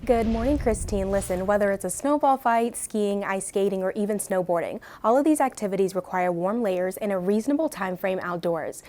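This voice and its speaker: A woman's voice: mid-range voice, a little fast, hardly any pauses, dark tone. American woman reporting TV news. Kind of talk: live broadcast news report. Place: TV newsroom.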